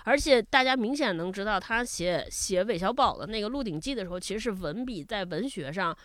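High-voiced man chatting about books. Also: expressive, fairly quick, fairly bright tone, dry recording. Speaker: podcast panelist. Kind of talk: casual book discussion.

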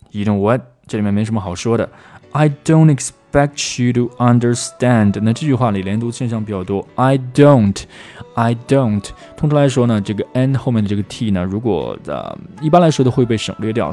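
Low, mellow male pronunciation teacher. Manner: repeats English phrases slowly for drilling. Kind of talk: explanatory teaching with slowed example phrases. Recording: soft guitar music underneath.

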